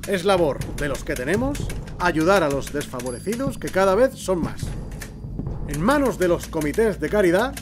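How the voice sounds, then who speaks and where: A cynical provincial governor in a Spanish radio drama. He has a Spanish accent and an authoritative, declamatory delivery with wide swings in pitch. Music plays clearly behind him. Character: cynical, commanding provincial governor in 1918 Spain. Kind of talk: audio drama acting.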